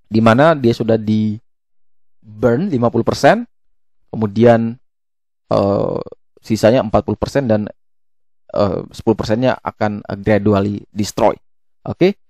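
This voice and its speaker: Mellow-voiced man explaining casually, haltingly. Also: on the low side, no room sound, studio quality. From Indonesia. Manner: halting, with frequent hesitations and self-corrections. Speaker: YouTube host explaining crypto tokens. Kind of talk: casual explainer, walking through a web page.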